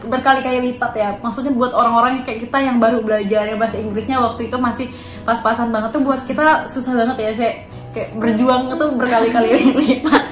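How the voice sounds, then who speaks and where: High-voiced woman host in echoey room. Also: steady tone, a little fast. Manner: explains step by step, speaks to viewers. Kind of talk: casual chat. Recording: echoey room with music behind.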